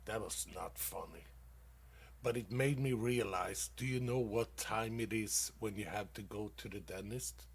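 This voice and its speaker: A man from Sweden, hosting a dad-joke comedy show and laughing loudly at his own punchlines. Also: on the low side, a little slow, gravelly, breathy edge. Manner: casual, calls listeners dude. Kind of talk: dad-joke stand-up on internet radio.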